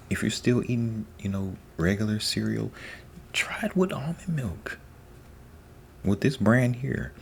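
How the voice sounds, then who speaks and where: A man giving a soft-spoken ASMR ramble, breathy and often near a whisper, informal and repeating himself, close to the microphone. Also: fairly low pitch. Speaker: ASMR host. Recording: faint background noise.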